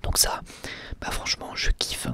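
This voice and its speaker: A man whispering a casual ASMR review, soft and hesitant, with many small pauses and fillers.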